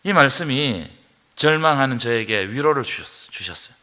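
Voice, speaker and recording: Man, pastor's sermon, bright piercing tone, long church reverb. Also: mid-range voice, expressive, normal speed. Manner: impassioned preaching, rising to loud outbursts, prompting the congregation. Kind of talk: sermon at Friday prayer meeting. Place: church sanctuary.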